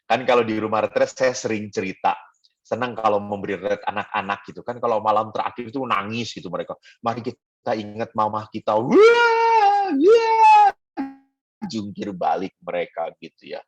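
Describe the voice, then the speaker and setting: A middle-aged man, a Catholic priest, giving a casual spiritual talk to a youth group and telling stories with animated, acted-out voices. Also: lowish voice, a little fast, highs cut off. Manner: animated storyteller who acts out voices.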